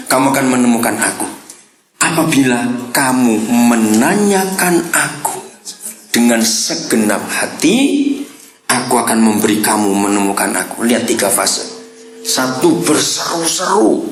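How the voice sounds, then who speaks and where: A male pastor giving a lively sermon, speaking straight to his congregation, asking for their responses and breaking into sudden shouts. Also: medium pitch. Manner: animated, swings from calm talk to sudden shouts. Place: church hall. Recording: echoey church hall.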